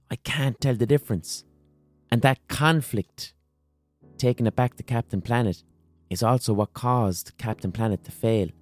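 A hoarse man with an Irish accent hosting a solo podcast, talking passionately, swearing and throwing out rhetorical questions. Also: mid-range voice, a little mellow, no echo. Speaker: podcast host.

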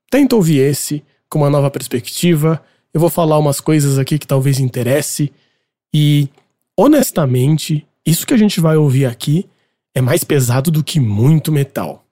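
Brazilian male podcast host, mellow timbre, talks music in a loose, opinionated way. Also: fairly high pitch. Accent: Brazilian Portuguese. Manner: chatty, opinionated, explanatory. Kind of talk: casual music commentary.

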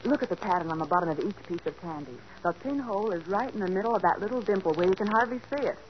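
An actress voices an inquisitive young detective's assistant in a 1940s radio drama. Her voice is lively, rising and falling as she eagerly questions everything. It comes through a dull old broadcast with a faint hiss. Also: mid-range voice, fast, close to an everyday voice.

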